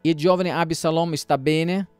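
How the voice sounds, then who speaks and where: A man's voice: a little high, steady tone, a little slow, darkish tone, clean tone, no echo, faint music behind, pitched above the performer's own voice, natural voice. A man reading the part of an old king who cries out in grief for his dead son. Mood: questioning. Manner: crying out a lament.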